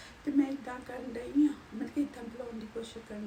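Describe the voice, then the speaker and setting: A woman, high in pitch, with noticeable background noise around her. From Punjab, India (Amritsar). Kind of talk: personal life story told to camera. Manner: unscripted, conversational.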